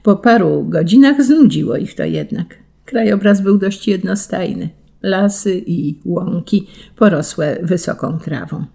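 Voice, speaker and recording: A narrator reading an old children's story aloud in a gentle, expressive way. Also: mid-range voice, a little slow, vocal fry, husky.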